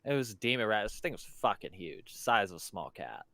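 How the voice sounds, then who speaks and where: A man's voice: on the low side, big pitch swings, fairly quick, pushed and bright, no room sound. A young man co-hosting a casual chat, laid-back and wisecracking, swearing freely. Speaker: podcast co-host.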